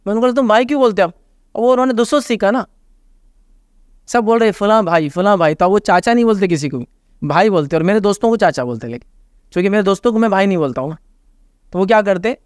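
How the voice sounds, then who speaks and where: A man's voice: high voice, dry recording, clean studio sound. A man with an Indian Hindustani accent, explaining social manners through everyday examples as an Islamic scholar answering a question. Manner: repeats reminders to remember. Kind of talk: conversational religious advice talk.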